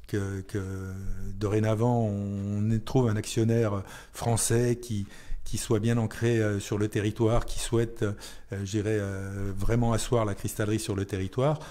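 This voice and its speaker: A man's voice: fairly low pitch, flat delivery, unhurried, dark tone. A man speaking as a town mayor in an unscripted radio interview, hesitating and repeating words as he searches for phrasing.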